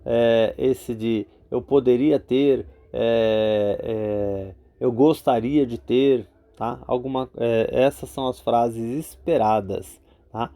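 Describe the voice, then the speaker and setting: A man's voice: mid-range voice, steady tone, takes it slowly, dark tone. A Brazilian man with a Brazilian Portuguese accent, teaching English vocabulary in a casual spoken lesson, full of fillers and repeated "tá?" check-ins.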